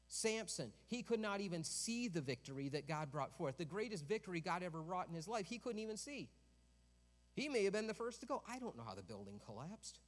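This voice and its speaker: A man's voice: high voice, long reverb tail. A man preaching a sermon in a conversational way, with joking asides and rises to emphatic peaks.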